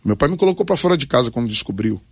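Male, 40s, Brazilian pastor as debate guest. Gravelly creak, dry close sound, emphatic storytelling delivery. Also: medium pitch, very animated, very fast, no echo. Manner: emphatic, preacherly, storytelling with short punchy phrases. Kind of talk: personal testimony and exhortation in a talk programme.

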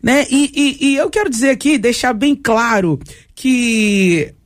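A woman pastor speaking on a talk show, emphatic and preaching, her pitch swinging high and low. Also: expressive, measured pace.

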